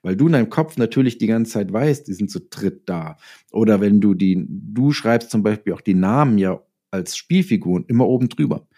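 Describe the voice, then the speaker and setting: Low, mellow-voiced man. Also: lively intonation, fairly quick. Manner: explains with hypothetical examples and acted-out quotes. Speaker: interviewed writer and audio drama maker. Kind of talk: casual interview explanation.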